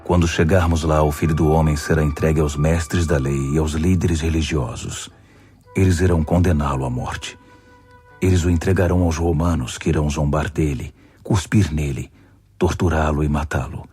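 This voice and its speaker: A man voicing a calm, authoritative male teacher in a dramatized Bible audiobook, solemn, firm and instructive. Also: a bass voice, moderate pace, soft background music, pitched below the performer's own voice.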